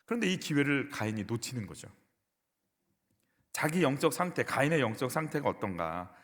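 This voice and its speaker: Lively, expressive Korean pastor preaching in a reverberant church. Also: male voice, medium pitch, normal speed. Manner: emphatic preaching with rhetorical questions to the congregation. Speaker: senior pastor. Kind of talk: sermon. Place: church sanctuary. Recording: echoey church hall.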